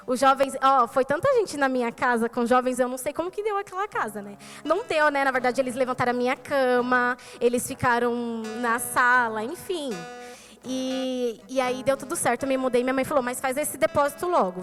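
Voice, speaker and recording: A woman with a Brazilian Portuguese accent giving a testimony in a church sermon, telling her story and speaking straight to the congregation. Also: fairly high pitch. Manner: storytelling, addresses the congregation directly. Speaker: preacher. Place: church service.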